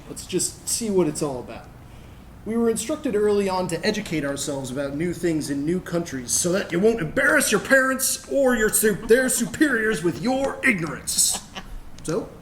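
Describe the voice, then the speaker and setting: A fairly high, very animated male voice of an actor plays a gay military brat looking back. He is wry and conversational, like live stage storytelling, over faint noise. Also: low-quality recording. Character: gay military brat recalling a teenage crush. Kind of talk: animated storytelling monologue to an audience.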